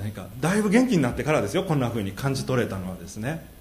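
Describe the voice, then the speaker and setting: A man talks with very wide pitch swings. Audible room echo surrounds his voice. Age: 40s. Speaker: pastor. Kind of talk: sermon. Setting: church.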